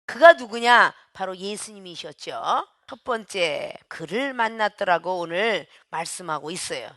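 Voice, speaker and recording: A woman pastor preaching a sermon with emphasis, swinging between shouts and hushed, quiet lines and calling out to the congregation. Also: mid-range voice, expressive, measured pace, dry recording, clean studio sound.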